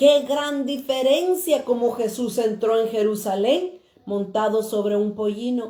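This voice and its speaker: A woman talks at a fairly slow pace with ordinary pitch variation. Hers is a plain, everyday voice. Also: fairly high pitch for a woman. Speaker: Bible teacher. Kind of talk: Bible class.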